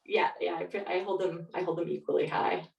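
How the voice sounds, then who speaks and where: Low-voiced woman, echoey and distant. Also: fairly even intonation, a little fast, vocal fry, lo-fi sound. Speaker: guest author. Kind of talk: reflective interview answers and reading aloud. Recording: roomy echo, distant mic.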